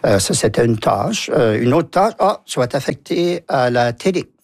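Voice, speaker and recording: An older man from New Brunswick with an Acadian French accent, a former journalist telling lively stories in an interview. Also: mid-range voice, normal speed, creaky, dry recording. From New Brunswick, Canada. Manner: lively anecdotal storyteller, acts out quotes. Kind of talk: storytelling interview.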